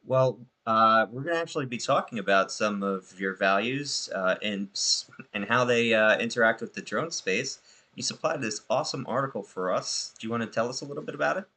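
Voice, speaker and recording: A man's voice: medium pitch, fairly quick, sharp tone. A man co-hosting a video-call chat show, enthusiastic, with frequent "uh" and "um". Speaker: co-host. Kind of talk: casual panel chat.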